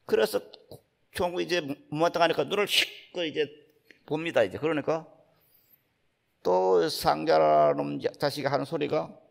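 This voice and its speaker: An older Buddhist monk from Gyeongsang with a Gyeongsang accent, giving a dharma talk in folksy, unhurried storytelling. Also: male voice, on the high side, creaky. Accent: Gyeongsang Korean. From Gyeongsang province, Korea. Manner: folksy, unhurried storytelling, acting out quoted speech. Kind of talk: sermon storytelling.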